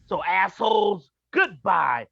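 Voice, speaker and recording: A man's voice: high voice, sing-song, slow, creaky, sharp tone, husky, no echo, highs cut off, heavily acted. Man as a swooping, cocky wrestling prince. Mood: boastful. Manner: taunting, boastful. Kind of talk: theatrical wrestling promo.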